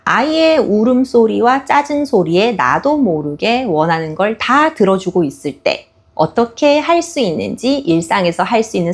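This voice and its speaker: Breathy lady speech therapist, lively up-and-down voice, gentle and reassuring, talking parents through it. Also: mid-range voice. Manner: gentle, reassuring, acts out toddler sounds and parent phrases. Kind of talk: explanatory parenting lesson.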